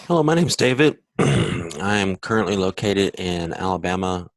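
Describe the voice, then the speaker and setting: A man with a Southern US accent speaking in a relaxed, casual way on a call. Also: deep voice, moderate pace, dry recording. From United States.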